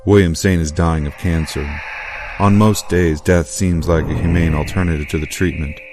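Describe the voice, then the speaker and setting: A man's voice: low-pitched, fairly even intonation, moderate pace. A man narrating a book trailer in a grave, dramatic way. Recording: music bed behind.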